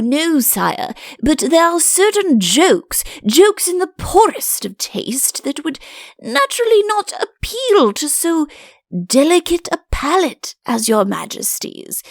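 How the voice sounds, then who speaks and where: A woman voicing a nervous, deferential male royal chancellor in a comic fairy-tale audiobook, halting and obsequious. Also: sits high, dry recording, clean studio sound, voice pushed up, full character voice.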